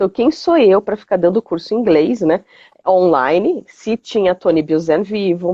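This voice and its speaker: A woman at a medium pitch and a moderate pace, with lively intonation. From Brazil. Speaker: mind map instructor. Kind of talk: casual interview chat. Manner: hesitant, many fillers.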